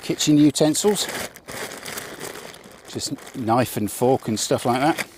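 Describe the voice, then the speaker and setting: Outdoors in a campsite car park, an older man from Britain shows off his motorcycle kit for his travel vlog, wearing a lapel radio mic. He speaks slowly in a medium pitch, chatty and wry, cracking self-deprecating jokes, after opening the casual video with a mock advert. There is background noise.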